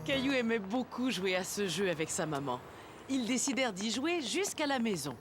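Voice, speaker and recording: A woman performing as the gentle, expressive storyteller of a cartoon for young children. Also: on the high side, moderate pace. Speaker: narrator. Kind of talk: scripted children's story narration. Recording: music behind the voice.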